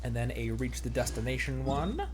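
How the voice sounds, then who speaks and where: A man's voice: mid-range voice, fairly quick, background noise. A man giving casual gameplay commentary as a streamer, muttering to himself.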